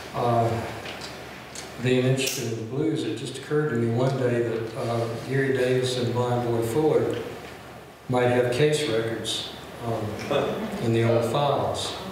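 With noticeable background noise and strong room echo, a man with an American accent speaks at a moderate pace in a monotone, flat intonation, leaving long, frequent pauses. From North Carolina, US South. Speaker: local historian and record collector. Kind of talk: panel discussion. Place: meeting room.

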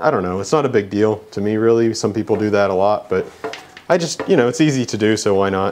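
Noticeable background noise sits behind a man speaking in a fairly low pitch. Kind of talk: tutorial. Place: garage.

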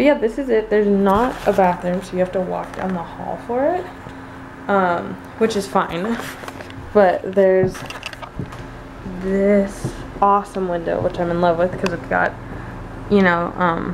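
Music plays in the background as a woman speaks at a fairly slow pace with long, frequent pauses and ordinary pitch variation. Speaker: vlogger. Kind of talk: casual vlog chat. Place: home room. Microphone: phone near.

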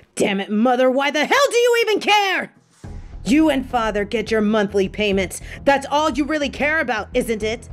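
A woman shouts at a high pitch and a moderate pace, her voice swinging very widely in pitch, with faint music in the background. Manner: angry, shouting, threatening.

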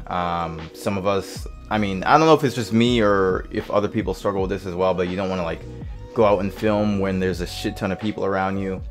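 Faint music plays behind a man talking at a very fast pace in a fairly low pitch. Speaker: filmmaker youtuber. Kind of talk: casual vlog chat. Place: home room. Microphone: studio mic.

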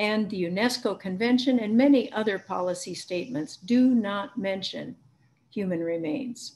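A woman talks at a moderate pace in a somewhat breathy voice. Her pitch variation is ordinary. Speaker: anthropology professor. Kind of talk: lecture. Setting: video call. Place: home room. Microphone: webcam.

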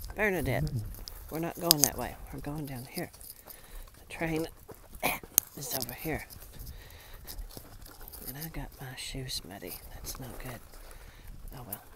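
A man speaks at a fairly slow pace, pausing long and often, with ordinary pitch variation. The sound is dry with no echo, over loud background noise. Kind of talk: casual vlog chat. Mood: playful, joking. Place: open country. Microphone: phone near.

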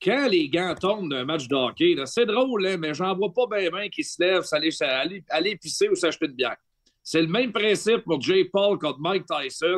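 A man speaks at a moderate pace in a high voice with lively intonation, against a quiet background. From Quebec. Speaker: hockey play-by-play commentator. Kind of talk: casual chat. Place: office. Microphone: video call.

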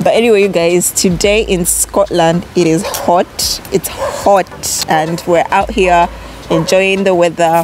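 A woman's fairly low voice comes through dry with no echo amid noticeable background noise. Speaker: vlogger. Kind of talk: casual vlog chat. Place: waterside. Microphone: phone near.

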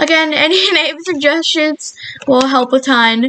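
A woman speaks at a high pitch with ordinary pitch variation. Light background noise can be heard. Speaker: gamer narrating a game tour. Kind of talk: casual gameplay commentary.

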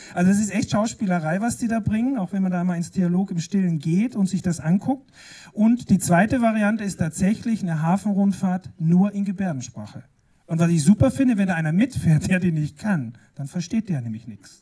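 The speech runs at a fairly quick pace with lively intonation. Its tone is dark and mellow. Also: man, high pitch for a man. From Austria, Styrian Alps. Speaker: harbour boat company boss. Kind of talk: talk show interview. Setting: live talk show, outdoors by the club.

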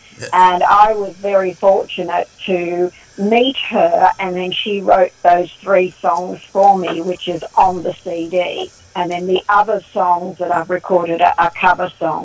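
A woman with an Australian accent talks at a fairly slow pace in a monotone, flat intonation, with hardly any pauses. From Australia, Sydney. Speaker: country singer. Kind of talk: interview. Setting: phone call.

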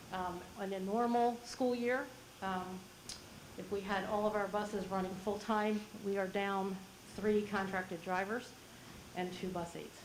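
A woman's medium-pitched voice, fairly slow and fairly even in intonation, with audible room echo. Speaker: school transportation director. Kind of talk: presentation at board meeting. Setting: board meeting room, hybrid. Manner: hesitant, many fillers.

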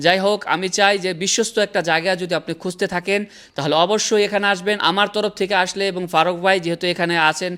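A man with a high pitch, a bright, sharp tone, and flat, monotone intonation, on a very clean recording with a silent background. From Bangladesh, Faridpur. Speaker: YouTube channel host. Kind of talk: promotional video interview.

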